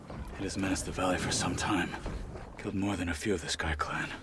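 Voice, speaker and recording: Man playing a deep, stoic tribal warrior. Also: steady tone, noisy background, natural voice. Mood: grave, resolute. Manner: terse, formal, measured. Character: stoic, formal, proud male tribal warrior. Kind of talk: video game cutscene acting. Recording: clear music behind the voice.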